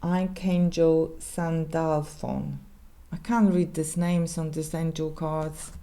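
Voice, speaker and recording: A woman with a Polish accent, a native Polish speaker, giving a casual tarot reading in halting English with many restarts. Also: low-pitched, level tone, warm tone. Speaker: tarot reader.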